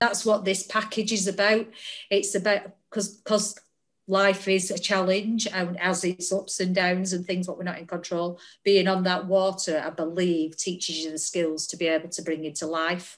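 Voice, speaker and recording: In monotone, flat intonation, a woman talks at a medium pitch. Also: moderate pace. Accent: Manchester. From Manchester, northern England. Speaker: fitness and well-being coach. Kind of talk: casual interview chat.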